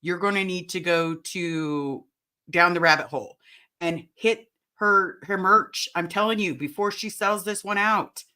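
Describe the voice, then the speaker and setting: A low-pitched woman with a raspy, bright, forceful voice hosts a casual live chat. She talks quickly and animatedly, turning often to address her viewers. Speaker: livestream host.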